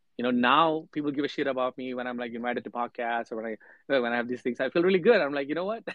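A man with an Indian accent talks at a very fast pace, his medium pitch moving with ordinary variation. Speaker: startup founder. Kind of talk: casual interview.

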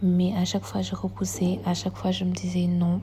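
Monotone, flat intonation in a very deep, low-pitched female voice. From Senegal. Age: 20s. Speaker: podcaster and travel entrepreneur. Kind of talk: casual solo podcast monologue. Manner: hesitant with many fillers.

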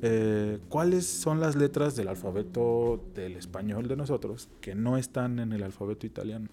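A man's medium-pitched voice, dark and mellow in tone, with lively intonation, a fairly slow pace and hardly any pauses. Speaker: podcast host. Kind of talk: casual interview.

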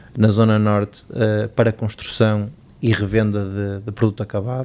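With an ordinary speaking voice, a man of fairly low pitch talks at a moderate pace with fairly even intonation. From northern Portugal, Matosinhos. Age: 30s. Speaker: entrepreneur. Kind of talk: casual chat.

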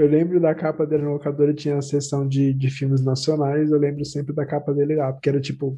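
A man with a fairly high, somewhat breathy voice speaks at a fairly quick pace in a monotone, flat intonation. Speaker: podcast host. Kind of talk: casual chat.

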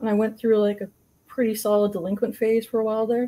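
This woman has a fairly high pitch and a dark, mellow tone. She speaks at a fairly quick pace. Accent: western Canadian. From interior British Columbia, Canada (Vernon area reserve). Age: 30s. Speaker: animator. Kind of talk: interview.

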